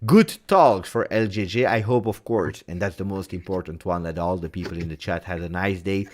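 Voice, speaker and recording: A man hosting a casual live stream, talking in an animated way with many fillers and repeated words. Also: sits low, normal speed. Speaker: host of a fan channel.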